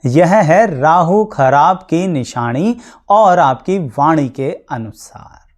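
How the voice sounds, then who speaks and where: A man's voice: a little high, expressive, slow. A man speaking as an astrologer, explaining things to his viewers in a plain, practical way with everyday examples and English words mixed in. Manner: mixes English words into Hindi.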